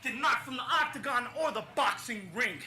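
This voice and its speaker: A man shouting rap battle verses in a hype-filled style. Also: very high-pitched, normal speed. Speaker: battle rapper. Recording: loud live crowd and music. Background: cheering crowd and loud music.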